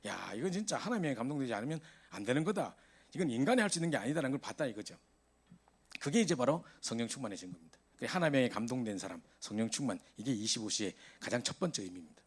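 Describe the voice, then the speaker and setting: A man preaching a sermon to a youth service, telling stories in an animated way. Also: medium pitch, fast talker, husky. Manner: animated storytelling, voice rising in exasperation.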